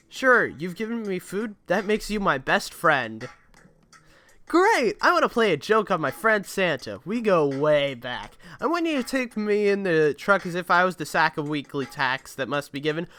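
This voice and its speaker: A man's voice: high-pitched, sing-song, moderate pace, pushed and bright, full character voice. A man voicing a starving, grateful beggar in a game, eager and pleading.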